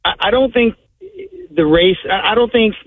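A man calling in to a radio show, a high school teacher speaking thoughtfully and hesitantly. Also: moderate pace. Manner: hesitant, thoughtful, restarts often. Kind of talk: phoned-in radio call. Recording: tinny phone line.

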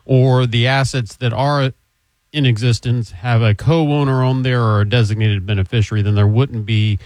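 A man's voice: mid-range voice, fairly even intonation, normal speed, darkish tone, dry recording. A man hosting a radio call-in show, easygoing and teasing with his cohosts. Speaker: radio show host, attorney. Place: radio studio.

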